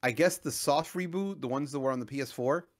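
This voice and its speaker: A man's voice: medium pitch, fairly quick. Blunt, jokey podcast co-host man. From Latin America. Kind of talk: casual podcast chat.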